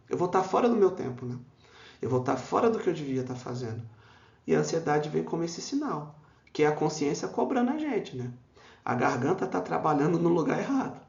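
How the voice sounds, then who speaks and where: A man's voice: a little high, vocal fry, darkish tone. Brazilian man lecturing in a roomy hall. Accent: Brazilian Portuguese. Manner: conversational, frequent "né?" asides, acts out quoted voices. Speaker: spiritist lecturer. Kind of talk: public talk on a spiritist text. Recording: roomy, dull lo-fi hall recording.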